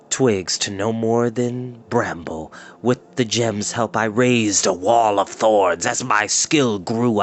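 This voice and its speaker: A man voicing a cold, cruel, arrogant wizard in a storybook, with a hissing, whispery voice and a slow, menacing, contemptuous manner. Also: fairly low pitch, close to an everyday voice. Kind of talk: storybook character voice.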